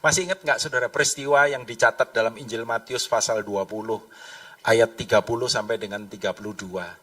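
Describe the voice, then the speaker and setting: A man preaching a lively, conversational sermon, acting out voices in his stories. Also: medium pitch, fairly quick, far from the mic. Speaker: pastor.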